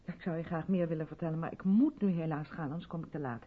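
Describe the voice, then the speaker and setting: A woman's voice: deep voice, fast, husky, narrow, tinny audio. An actress playing a strict, insistent white woman in a Dutch radio drama from the 1970s, speaking pointedly and persuasively. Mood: eager, pleading. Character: strict, insistent white South African woman running play rehearsals.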